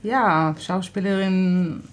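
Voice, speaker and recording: Brief: Israeli-accented actress, low-ish voice, unhurried and hesitant. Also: female voice. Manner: halting German with many fillers, light laughs. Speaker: actress and theater maker, guest. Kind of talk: radio studio interview. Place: radio studio.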